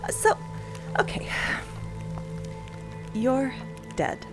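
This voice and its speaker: Sarcastic emotional space explorer gal, highish voice all over the place, halting, music and rain behind. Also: female voice, sing-song, exaggerated voice. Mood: incredulous, searching. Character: expressive, sarcastic woman space explorer, hurt girlfriend. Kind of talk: dramatic audio fiction acting.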